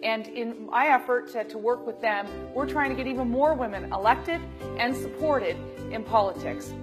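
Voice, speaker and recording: A woman politician giving a proud, steady, upbeat prepared statement. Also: fairly high pitch, normal speed. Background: music.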